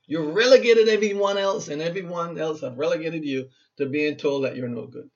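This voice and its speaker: A Barbadian man in his fifties speaks in a fairly high register, giving an earnest, exhorting motivational talk. He often circles back and repeats words for emphasis. The recording is muffled and lo-fi. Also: brisk. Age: 50s. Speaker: motivational speaker and radio host.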